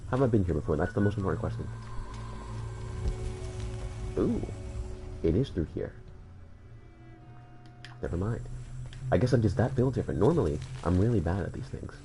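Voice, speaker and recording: A man's voice: sits low, lively intonation, fairly quick, long pauses, music in the background. A man with a slightly congested voice, joking and rambling to his viewers as he plays through a game. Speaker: gaming channel host. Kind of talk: casual let's-play commentary.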